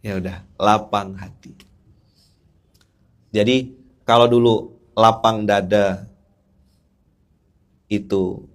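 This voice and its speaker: A male Islamic preacher, giving a casual, humorous sermon and often asking his audience questions. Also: on the low side.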